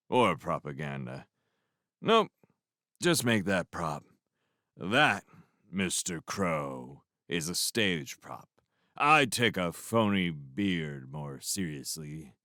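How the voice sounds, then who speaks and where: A man's voice: low-pitched, big pitch swings, takes it slowly, no echo, clean studio sound, full character voice. A man voicing a soaked, very drunk fisherman who scolds people with theatrical mock outrage. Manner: slurred, theatrical, shouting.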